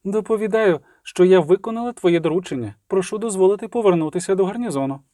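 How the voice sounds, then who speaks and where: Disciplined woman captain, dry and clipped, higher voice from a male reader. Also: fast talker, mellow, no echo, close to an everyday voice. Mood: formal report.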